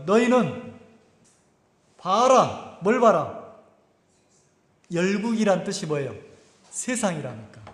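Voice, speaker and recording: A male pastor preaching a sermon, peppering the congregation with questions and drawing out words for emphasis. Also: very high voice. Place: church sanctuary. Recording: echoey hall reverb.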